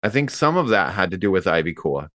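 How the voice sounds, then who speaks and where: A man's voice: low-pitched, big pitch swings, fast talker, fairly bright tone, no room sound, studio quality. A man playing a tabletop role-playing game, talking casually in character.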